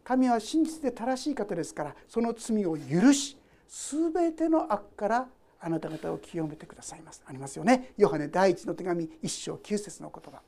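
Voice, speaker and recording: A woman's voice: mid-range voice, very animated, moderate pace, dark tone, a little hiss or hum. A woman pastor preaching a sermon. She reads scripture aloud, explains it, and talks to the congregation directly with questions.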